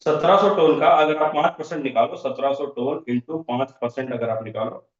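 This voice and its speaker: A man's voice: medium pitch, moderate pace. A man running an online business training session, repeating figures as he walks through the sums step by step. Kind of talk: online training session explaining income plans. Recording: roomy, dull lo-fi online call audio.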